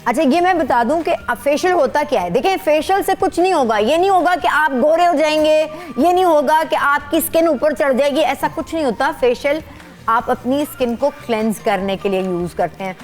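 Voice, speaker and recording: A middle-aged woman doctor with a high voice walks viewers through skincare step by step. Her tone is patient and instructive, like someone used to advising patients. Faint music plays under her. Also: normal speed. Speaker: skin doctor guest. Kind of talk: explaining products on a talk show.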